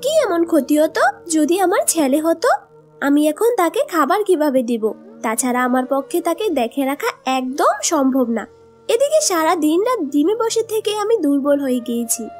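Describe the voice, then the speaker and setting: Selfish mother bird, female performer: very high, swooping cartoon voice, sulky and dismissive. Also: animated, normal speed, darkish tone, faint music behind. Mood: resentful. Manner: whiny, snappish, dismissive. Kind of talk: children's cartoon acting.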